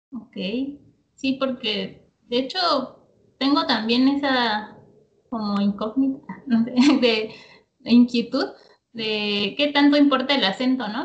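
A woman at a high pitch and a very slow pace, with ordinary pitch variation. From Mexico City. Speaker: podcast host. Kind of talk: casual chat.

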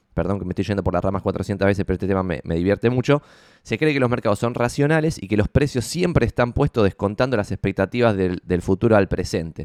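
With a fairly low pitch and lively intonation, a man speaks at a very fast pace in a very clean recording with a silent background and a dry, close sound with no echo. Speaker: investment streamer. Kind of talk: livestream talk. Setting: livestream.

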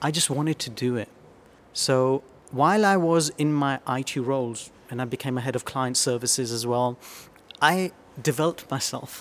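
Speaking in a British accent, this man's voice sits at a medium pitch. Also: ordinary pitch variation, moderate pace. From UK. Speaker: conference speaker and trainer. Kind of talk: casual interview chat.

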